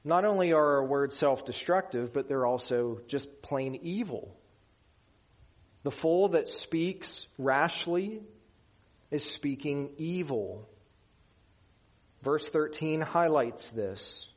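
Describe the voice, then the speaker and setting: A man's voice: on the high side, lively intonation. A man from Western Pennsylvania preaching a sermon in an earnest, emphatic way. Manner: earnest, emphatic preaching with slow deliberate pauses. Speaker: pastor.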